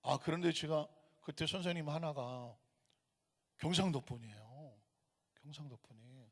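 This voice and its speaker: A male pastor preaching a sermon in a church, telling a story with sudden loud, emphatic bursts. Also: fairly high pitch, a little slow. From Gyeonggi, Korea. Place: church sanctuary. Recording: church hall reverb.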